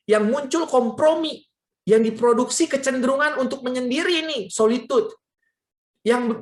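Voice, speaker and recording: A woman preaching a sermon at a prayer meeting, telling stories and speaking directly to her listeners as friends. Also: a little high. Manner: storytelling, addressing listeners as friends.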